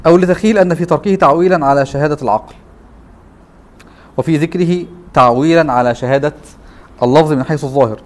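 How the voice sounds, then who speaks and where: A man's voice: on the high side, fast talker, pauses often. A man with an Egyptian Arabic accent giving a classroom lecture, who keeps asking rhetorical questions to prompt his students. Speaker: teacher.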